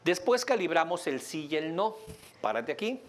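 A man with a Mexican Spanish accent leads a workshop in front of a group, explaining exercises in a lively, joking way and laughing now and then. His voice sits a little high for a man. A faint hiss of room noise runs under the recording. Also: normal speed. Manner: lively, jokey, laughs often while explaining. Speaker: workshop instructor. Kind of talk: live workshop demonstration. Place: training room with an audience.

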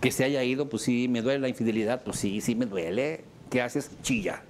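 A Mexican man with a mid-range voice addresses a live audience as a therapist. His delivery is animated and theatrical, with sudden high leaps in pitch as he acts out everyday examples. A faint hum sits under his voice. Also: a little fast. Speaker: therapist giving a talk.

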